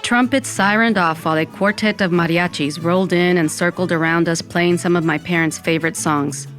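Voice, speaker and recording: A woman plays a wry Latina storyteller looking back on her teens. Her voice is fairly low, in scripted first-person narration with music underneath. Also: fairly even intonation, fairly quick, lightly acted. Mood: reflective.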